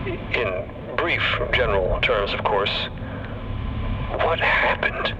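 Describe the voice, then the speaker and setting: A man's voice: fairly low pitch, animated, slow pace. An actor playing a stern, officious, easily flustered male commissioner in an audio drama, speaking formally over a radio link. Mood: prying, formal. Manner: formal, clipped, bureaucratic. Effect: radio transmission filter. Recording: muffled, noisy radio transmission.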